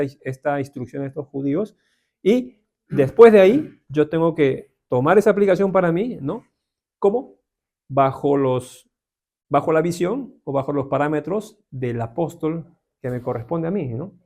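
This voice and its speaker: A Peruvian man leads a relaxed Bible class, his gravelly voice sitting a bit high for a man. He talks in a loose, conversational way and keeps tossing questions at his students. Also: normal speed. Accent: Peruvian Spanish. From Peru. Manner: conversational, many filler questions, asks the class. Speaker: Bible teacher.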